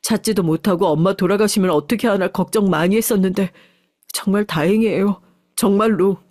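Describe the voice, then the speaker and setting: A woman's voice: medium pitch, brisk, darkish tone, no echo, natural voice. Brief: tearful middle-aged son, polite and pleading, read by a woman in a dry, close audio story. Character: tearful grown son, a company chairman.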